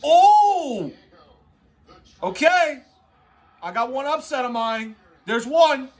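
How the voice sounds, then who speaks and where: A man with an unusually high voice talks in an excitable frat-bro manner. His pitch jumps around a lot as he gives casual, slangy sports takes off the cuff. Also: slow. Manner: excitable frat-bro talk, heavy on "bro" and "dude". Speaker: host reacting to a tournament bracket.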